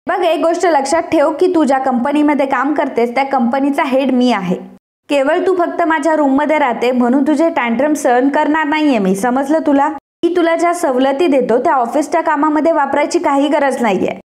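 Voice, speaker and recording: A cranky young businessman who scolds in quick bursts, as a woman reading a serial recap puts him on. The voice sits high, plainly the reader's own, told like a storybook retelling. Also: a little mellow, reverberant, lightly acted. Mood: angry. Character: irritable young male businessman, stern.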